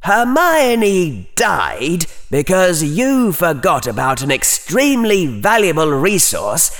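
Icy scornful inner voice of a boy, man putting it on, high and sharp, slow and deliberate, dry close sound. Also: big pitch swings, faint music behind, heavily acted. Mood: cold. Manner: icy, cutting. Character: cold contemptuous inner voice of a boy.

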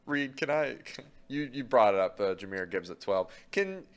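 Male co-host, ordinary mid-range voice, relaxed conversational delivery. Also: mid-range voice, normal speed. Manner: easygoing, conversational, repeats himself. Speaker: podcast co-host. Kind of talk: casual sports talk.

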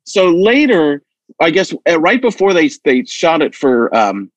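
A man hosting a podcast, telling stories in a rambling, animated way with many restarts. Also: on the high side, a little slow, no room sound. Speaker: podcast host. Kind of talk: casual chat.

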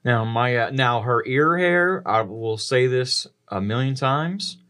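A man co-hosting a podcast, telling casual anecdotes in an animated way. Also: medium pitch, takes it slowly. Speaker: podcast co-host.

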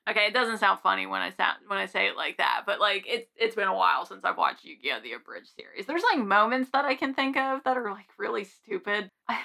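A woman's voice: mid-range voice, fairly quick, vocal fry, hardly any pauses, pushed and bright. A young woman co-hosting a podcast in casual, rambling chat with giggly asides. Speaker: podcast co-host.

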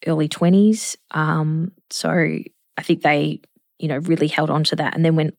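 A mother in her forties speaking earnestly in an interview about family, hesitant and pausing often. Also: low voice, steady tone, darkish tone, no echo, clean studio sound. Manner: earnest, hesitant, many pauses. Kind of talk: reflective interview conversation.

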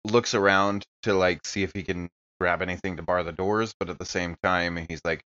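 A man describes his moves in a tabletop game in a casual, improvised way. His voice sits low but has a bright, tense edge. The recording is a little band-limited. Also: fairly even intonation, moderate pace, highs cut off. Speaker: player in a tabletop roleplaying game.

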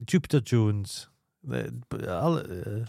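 A man's voice: lowish voice, expressive, unhurried, creaky, mellow, no echo, studio quality. A Scottish man co-hosting a podcast in casual comic banter, sweary and indignant as he rants. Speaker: podcast co-host.

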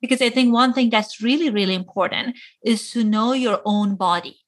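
A woman's voice: a little high, normal speed. A woman who grew up in Iran, a psychologist answering interview questions in an earnest, explanatory way. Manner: earnest, explanatory, with frequent uh fillers. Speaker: guest psychologist.

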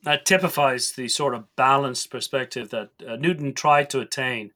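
A man speaking as a podcast guest, explaining in a measured way. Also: mid-range voice, pushed and bright. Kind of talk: conversational discussion.

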